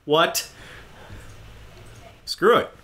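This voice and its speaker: Over game cutscene music, a gaming commentary host chats casually and explains what's happening, rambling like a fan. He talks very slowly in a pushed, bright voice, with slight background noise present.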